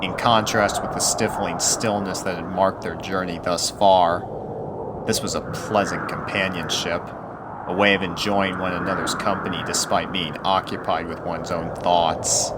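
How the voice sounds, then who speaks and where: A man's voice: sits low, heavy background noise. A man reading a spooky story aloud as a scripted narrator.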